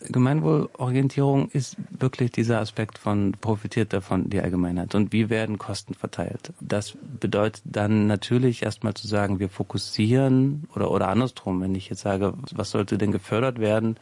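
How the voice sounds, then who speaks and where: Male expert guest, low gravelly voice, thoughtful explaining tone. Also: warm tone, no echo. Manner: measured, explanatory, thinking aloud. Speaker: guest sociologist. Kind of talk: expert radio interview.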